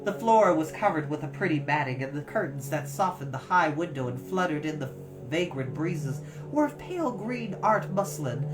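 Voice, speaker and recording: A woman reading a classic novel aloud as a storyteller, expressive and lingering over phrases. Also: fairly low pitch. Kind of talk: scripted narration, storybook reading. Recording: distant mic with music behind. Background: music.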